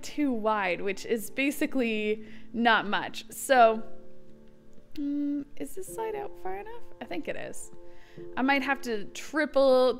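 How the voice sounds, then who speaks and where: A woman's voice: high voice, gravelly, a bit bright. A woman hosting a gaming video with casual, giggly commentary, chatting and thinking aloud as she plays.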